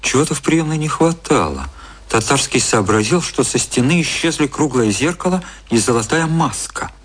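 An actor playing a measured storyteller, narrating a literary radio drama. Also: male voice, mid-range voice, very animated, slightly rough. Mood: measured, descriptive. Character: measured male storyteller narrating a satirical novel.

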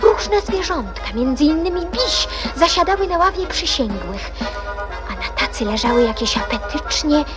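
A woman's voice: sits high, expressive, normal speed, music in the background. A woman playing a polite, curious little girl in a radio play, earnest and questioning. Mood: narrating.

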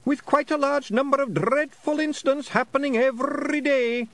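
A man voicing a small, theatrical male pixie reciting bad poetry in a high wailing voice. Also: moderate pace. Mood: mournful.

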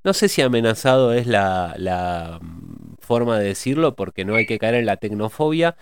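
A man in a reflective cultural discussion, pausing often with hesitations as he thinks aloud. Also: fairly low pitch, animated, noisy background. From Argentina.

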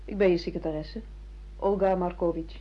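A woman's voice: on the low side, fairly even intonation, moderate pace, lightly acted. A woman acting a self-assured secretary and secret mistress in a Dutch radio play, frank and reproachful as she lectures her boss. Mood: composed. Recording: muffled lo-fi radio play recording.

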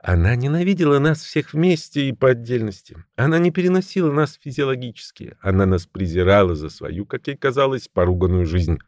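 A man's voice: mid-range voice, lively intonation, a little fast, hardly any pauses, a little mellow, no room sound, studio quality. A man narrating a first-person audiobook story in a wry, ironic storytelling manner.

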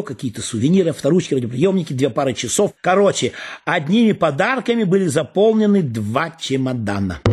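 A man, an actor, reading literary prose in a measured, expressive way with deliberate pauses. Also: fairly high pitch, breathy edge. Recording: reading over background music. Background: music.

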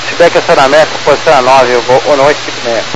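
A man's voice: medium pitch, fast talker. A man exchanging clipped, procedural aviation messages over a crackly radio. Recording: noisy crackly radio transmission.

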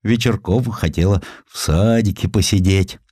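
A man's voice: deep voice, moderate pace, dark tone, slightly rough, dry recording, clean studio sound. A man voicing an offended, pouting merchant's wife who complains to her husband in an audio story.

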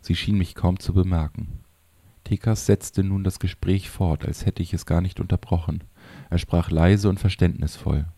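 A man reading a story aloud in a calm, even narrating style. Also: low-pitched, moderate pace, creaky, no room sound. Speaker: audiobook narrator. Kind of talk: scripted narration.

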